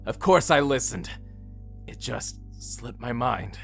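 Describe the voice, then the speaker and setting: A man's voice: medium pitch, expressive, slow pace, gravelly, a bit bright, heavily acted. A young man playing a grumbling, wry young prince in a fan audio drama. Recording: music playing behind. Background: music.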